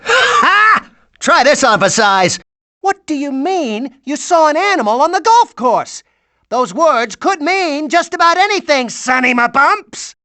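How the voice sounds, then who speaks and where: Cranky old game villain, piercing and animated, spitting old-timey abuse with drawn-out bluster. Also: female voice, sits high, heavily acted. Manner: blustering, old-fashioned cussing. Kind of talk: cartoon video game voice acting.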